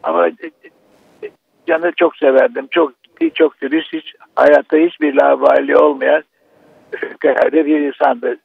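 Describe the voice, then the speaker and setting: A man calling in to a radio show over a phone line, speaking haltingly with many restarts as he grieves. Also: fairly high pitch, expressive, creaky, breathy edge, no echo. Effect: radio show caller on a phone line. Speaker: actor phoning in to a broadcast.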